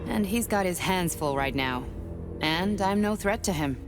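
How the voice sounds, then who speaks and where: A woman's voice: on the low side, animated, unhurried. An actress playing an earnest woman scientist in a video game, speaking in an urgent, persuasive way. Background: game music.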